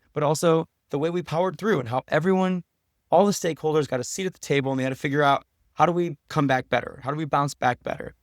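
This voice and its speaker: A man's voice: on the high side, no echo, studio quality. An American man talking as an interview guest, telling stories conversationally in an earnest, explanatory way with emphatic repetition. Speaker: podcast guest, documentary director.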